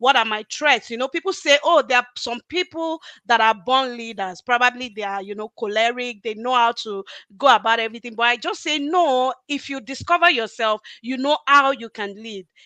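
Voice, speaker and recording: A woman with a Nigerian accent speaks at a moderate pace in a high, bright, sharp voice, with ordinary pitch variation and big swings in loudness, recorded dry and close with no echo against a quiet background. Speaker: life coach and pastor's wife. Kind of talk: interview. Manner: confident, authoritative.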